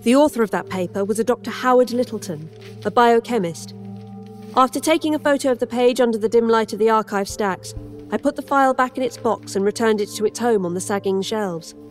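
A woman narrating a horror audio drama in first person, measured and introspective. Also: fairly high pitch, faint music behind. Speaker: narrator and lead character.

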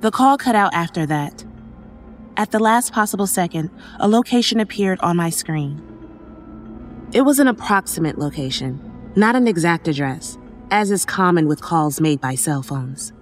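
A woman playing an emergency operator who narrates a first-person horror story in a measured, sombre way. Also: fairly low pitch, lively intonation, close to an everyday voice. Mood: uneasy, sombre. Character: female emergency operator recounting a haunting night. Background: faint music.

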